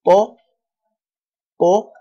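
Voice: mellow, dull audio. A university lecturer from Bali gives an online language lecture over a video call. They ask the class questions and correct themselves as they go. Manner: unhurried, asks the class questions, self-correcting.

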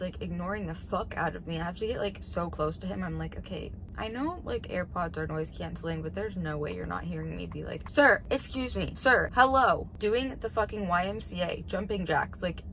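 A woman's voice: on the low side, gravelly, fairly bright tone, a little hiss or hum, rough recording. A woman in her late twenties telling a story in a parked car, rambling and profane with sarcastic asides, filmed on a phone at arm's length. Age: 20s. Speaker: vlogger. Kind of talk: casual storytime monologue. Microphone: phone camera at arm's length.

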